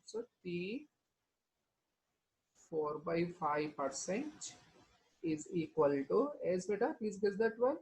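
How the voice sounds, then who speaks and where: A woman teacher speaks with a South Asian accent at a middling pitch. She explains material step by step in an instructional way, often pausing to prompt her students with short questions and tag words. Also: a little mellow, low-quality recording. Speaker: chemistry teacher.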